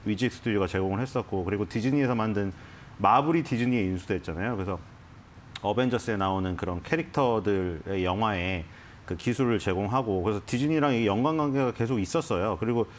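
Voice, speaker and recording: A man's voice: fairly low pitch, brisk, slight background noise. A man explaining stocks on a financial TV program, talking in a conversational, explanatory way with frequent restarts. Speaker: stock analyst guest. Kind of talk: conversational market commentary. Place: TV studio.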